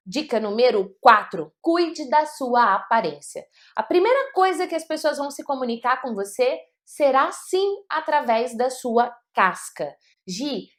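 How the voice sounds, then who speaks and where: A woman teaching public speaking tips, talking straight to the viewer with emphatic points and rhetorical questions. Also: sits high. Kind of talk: motivational teaching talk.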